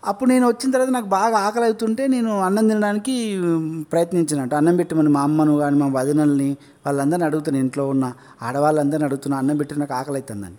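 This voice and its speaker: A man with a Telangana Telugu accent, talking as an interview guest. He tells stories earnestly, acting out the old dialogue. His voice sits high for a man. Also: fairly even intonation, rapid-fire, darkish tone. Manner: earnest, anecdotal, recounts dialogue. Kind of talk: storytelling in an interview.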